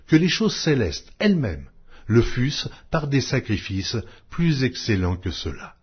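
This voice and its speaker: Dull lo-fi recording of a man doing solemn bible narration, really swingy intonation, measured phrasing. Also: medium pitch, husky. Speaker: audiobook narrator of scripture. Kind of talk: solemn scripted Bible reading. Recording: dull lo-fi audio.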